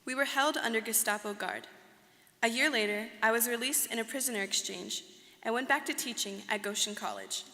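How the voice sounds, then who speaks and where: A young woman performing a scripted dramatic reading as an earnest college alumna, in a measured, declamatory way. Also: on the high side, bright, forceful tone. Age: young adult. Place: large hall. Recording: reverberant hall.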